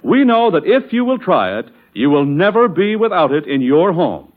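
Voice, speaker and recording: A man's voice: fairly high pitch, very animated, moderate pace. A man reading a 1940s radio commercial as a polished, persuasive and emphatic announcer. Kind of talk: 1940s radio ad read, smooth sales pitch. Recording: muffled old radio broadcast.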